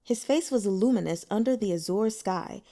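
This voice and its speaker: A woman reading scripted fiction aloud as an expressive audiobook narrator. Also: mid-range voice, moderate pace.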